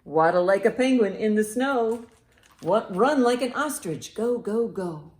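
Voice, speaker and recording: A woman hosting a children's storytime in an animated, encouraging, sing-song way, with rhymes and picture-book reading. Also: medium pitch, a little slow. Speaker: library storytime host. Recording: roomy, echoey indoor sound.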